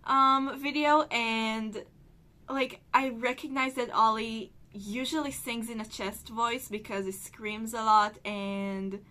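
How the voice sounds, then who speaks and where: A music reaction reviewer responds to a song playing faintly in the background, explaining vocal technique like a voice teacher with lots of filler words. Her voice is fairly high, bright and forceful, slow-paced with fairly even intonation.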